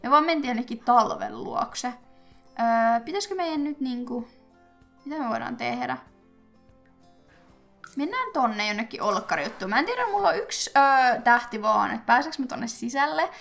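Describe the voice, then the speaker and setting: A young woman from Finland chatting casually as she plays a life-simulation game, thinking aloud with fillers and quick bursts of excitement. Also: on the high side, creaky, soft background music. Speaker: gaming YouTuber. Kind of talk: casual let's-play commentary.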